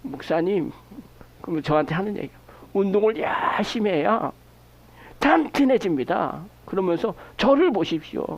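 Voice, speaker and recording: Lively-voiced pastor preaching a sermon. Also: male voice, high-pitched, normal speed, no room sound, muffled recording. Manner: animated preaching, acts out prayers and quoted remarks; asks the congregation rhetorical questions. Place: church sanctuary.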